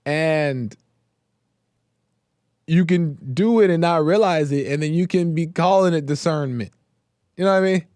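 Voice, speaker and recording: A man talks slowly and thoughtfully about faith, circling back to his points with pauses and filler words. His voice is wearing thin and a little hoarse. The sound is close and dry, with no room echo. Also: a little high, a little mellow. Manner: slow, reflective, with many fillers and repeated phrases. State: voice going hoarse. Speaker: host of a live call-in faith show. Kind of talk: casual devotional talk.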